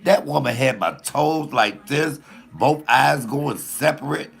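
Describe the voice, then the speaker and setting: A man with a deep voice telling a profane, animated comic story in casual storytelling style, laughing at his own jokes. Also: slow pace, vocal fry, slightly rough. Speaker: comedian host.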